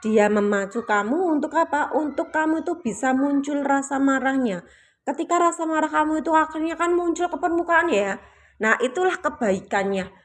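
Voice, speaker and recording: A spiritual teacher gives a reflective talk to her listeners, patiently explaining and often repeating her key points. Her voice sits high and moves at a moderate pace.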